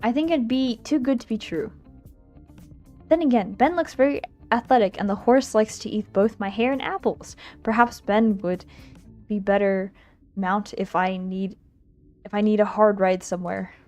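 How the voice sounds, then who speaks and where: Woman VTuber, mid pitch, expressive livestream read-aloud of a visual novel, giggly asides, game music underneath. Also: normal speed. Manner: giggly, expressive, stumbles while reading aloud. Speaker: streamer, VTuber.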